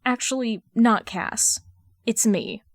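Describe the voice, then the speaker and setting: A woman's voice: fairly high pitch, slow pace, no room sound, clean studio sound. A woman voicing a teenage boy's quoted message in a story reading, insistent and cajoling. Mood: insistent, pleading.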